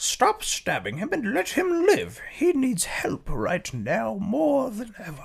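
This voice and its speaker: A put-on character voice speaks fairly slowly at a fairly high pitch. There are hardly any pauses. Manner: commanding, urgent.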